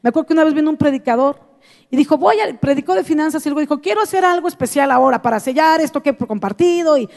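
High-voiced Mexican woman preaching in a hall. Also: fast talker, gravelly. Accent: Mexican Spanish. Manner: animated storytelling, acting out her own past reactions. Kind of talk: sermon.

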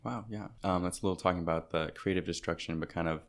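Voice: deep voice, fairly even intonation, fast talker. An interviewer asking questions in a casual, rambling way, correcting himself as he goes. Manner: rambling, self-correcting, laughs easily.

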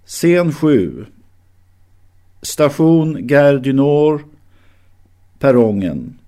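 A man narrates an audio drama, announcing scenes from a script. His voice sits at an ordinary middle pitch for a man. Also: very animated, warm tone.

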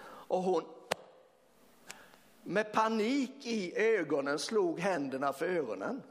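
A man preaching as pastor, telling a story in a lively way with fillers and laughter. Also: high-pitched. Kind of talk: sermon storytelling. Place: church hall. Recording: long church reverb.

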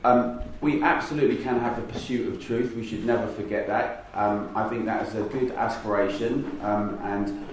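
A man on a discussion panel speaks in a measured way, with frequent hesitations. His voice sits fairly low. The sound is distant and rings around a large echoey hall. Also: fairly even intonation.

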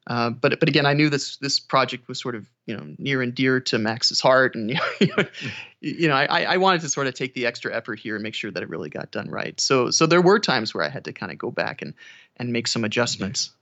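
A man's voice: medium pitch, animated, a little fast, bright, forceful tone, dull audio. A man speaking casually as an interview guest, easygoing and a little tentative in his phrasing. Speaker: audiobook narrator, podcast guest.

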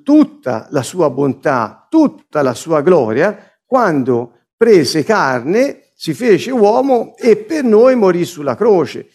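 A man with a notably high voice delivers a sermon. He works through scripture phrase by phrase, pausing to restate and explain each word. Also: a little mellow. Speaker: preacher.

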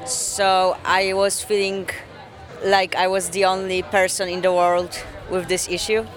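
A person outdoors in a city giving a halting, reflective personal account in a street interview. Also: female voice, medium pitch, level tone, a faint crowd.

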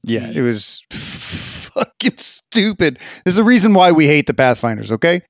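A man co-hosting a casual gaming podcast, talking in an animated, sarcastic way. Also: on the high side, unhurried, dry recording, studio quality. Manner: animated, sarcastic, swings loud and quiet. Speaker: podcast co-host.

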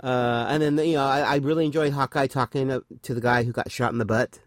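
Co-host recapping an episode, loose and rambling, dead dry sound. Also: male voice, mid-range voice, fairly even intonation, fast, dry recording. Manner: rambling, full of fillers. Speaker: podcast co-host. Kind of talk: casual chat reviewing a TV episode.

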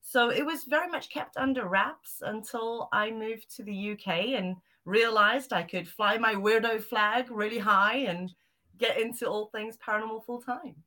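A woman from Zimbabwe and South Africa, a guest telling her story in a lively interview. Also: fairly high pitch, moderate pace. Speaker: guest, psychic medium and author. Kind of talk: interview answers.

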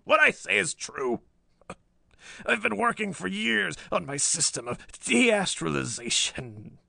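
A man's voice: high-pitched, very animated, a little slow, vocal fry, pushed and bright, no echo, voice pushed up, exaggerated voice. Mad old scientist villain, played by a male narrator: sullen, sly, theatrical snarl, pulp audiobook, dry close sound. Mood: sullen, boastful. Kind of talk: dramatized pulp story reading.

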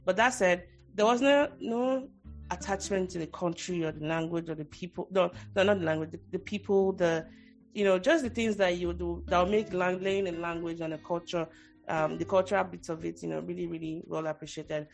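A woman's voice: lowish voice, fairly quick, creaky, soft background music. A woman with a Nigerian accent hosting a podcast interview, talking in long rambling thoughts that restart often. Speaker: podcast host. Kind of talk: casual interview chat.

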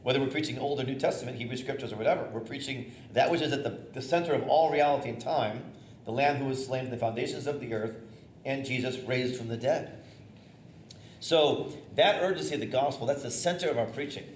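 A middle-aged man with a loud, theater-trained voice teaches a class on preaching, talking freely with plenty of restarts and fillers. His voice carries energy and sits at an ordinary pitch for a man. It sounds roomy and echoey, with a faint hiss behind it. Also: fairly quick. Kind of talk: informal teaching talk on preaching. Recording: echoey room, faint noise.

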